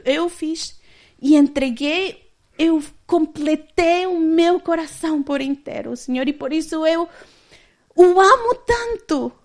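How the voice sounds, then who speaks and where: A woman's voice: high voice, a little mellow. A woman in her thirties giving a candid personal testimony as a church speaker, often laughing as she tells it.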